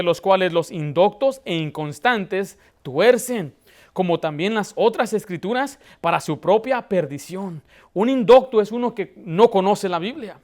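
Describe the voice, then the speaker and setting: High-voiced preaching pastor. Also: male voice, darkish tone. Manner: preaching with anecdotes, voice rising for emphasis. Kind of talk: Baptist sermon.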